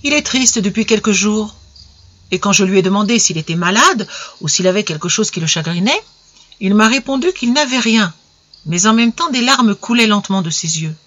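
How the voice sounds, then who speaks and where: A narrator reading a kindly old father coaxing gently. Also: medium pitch, animated, highs cut off. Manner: gentle, coaxing, slowed questions. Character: kindly older father coaxing his daughter.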